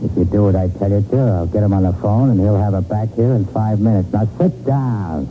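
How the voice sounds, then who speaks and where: A man's voice: on the low side, brisk, narrow, tinny audio, close to an everyday voice. Man playing a slangy American gangster on old radio. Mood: menacing, cocky. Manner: slangy tough-guy talk. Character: cornered, defiant tough male gangster and killer. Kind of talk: 1940s radio crime drama acting. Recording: band-limited old 1940s radio recording, music behind.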